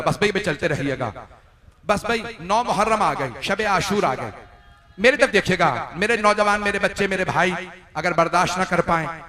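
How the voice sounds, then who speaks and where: A man reciting an emotional majlis as a maulana, with impassioned, drawn-out delivery that swells into cries. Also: high voice, pushed and bright. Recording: echoey hall sound.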